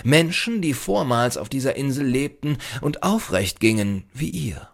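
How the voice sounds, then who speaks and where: A man's voice: medium pitch, animated, a little slow, vocal fry, pitched above the performer's own voice. A man voicing a preachy, self-certain old librarian in a storybook, with a pompous, archaic, lecturing manner. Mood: grandly lecturing.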